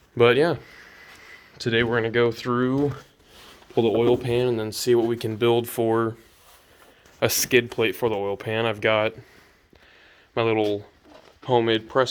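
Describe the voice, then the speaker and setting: A man speaks in a medium pitch at a fairly slow pace, with long, frequent pauses. His intonation is monotone and flat. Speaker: hobbyist off-road vehicle fabricator. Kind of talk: casual talk to camera.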